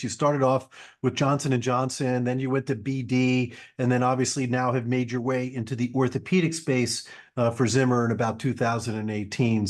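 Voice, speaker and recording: Effusive male podcast host. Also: medium pitch. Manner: enthusiastic, effusive, promotional. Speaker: podcast host, orthopedic surgeon. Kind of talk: podcast interview hosting.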